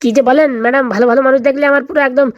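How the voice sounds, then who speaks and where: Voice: sits high, little pitch movement, rapid-fire, highs cut off, natural voice. A performer voicing a boastful, greedy, hard-drinking hired thug in a comedy cartoon, swaggering and wheedling.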